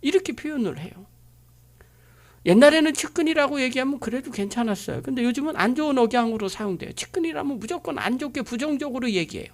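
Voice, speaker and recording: A woman's voice: high voice, lively intonation, fast. A woman pastor delivering a sermon, driving her points home with frequent rhetorical questions.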